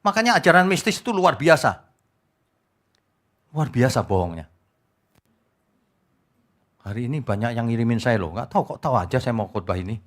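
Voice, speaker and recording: Animated, mocking male pastor preaching. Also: mid-range voice, moderate pace, pauses often. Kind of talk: sermon. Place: church.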